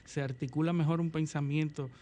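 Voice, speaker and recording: A man's voice: fairly high pitch, steady tone, fairly quick, dark tone, slight background noise. A man co-hosting a studio discussion who adds short interjections and follow-up remarks. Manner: brief interjections and a follow-up question. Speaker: co-host.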